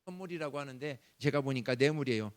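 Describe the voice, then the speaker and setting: A male pastor preaching a Sunday sermon, animated, acting out prayers in a raised voice. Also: mid-range voice, fast. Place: church sanctuary.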